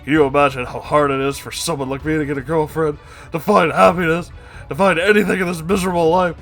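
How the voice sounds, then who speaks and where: An angry, self-pitying neckbeard from a comic story, acted out by a male narrator. He rants in a raised, loud voice, defiant and melodramatic, with music underneath. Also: a little high, steady tone, quick pace, voice pushed up. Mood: aggrieved ranting.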